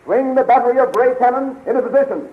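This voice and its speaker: An actor playing a dutiful, eager army officer in clipped, military 1930s radio style. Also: male voice, very high voice, fast, slightly rough. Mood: dutiful, urgent. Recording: muffled, noisy 1930s radio recording.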